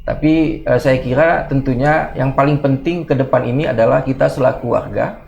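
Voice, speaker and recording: A man from Medan, a community guest in a casual panel talk, speaking earnestly and turning animated and laughing when he jokes. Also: mid-range voice, moderate pace, gravelly, highs cut off. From Medan, Indonesia.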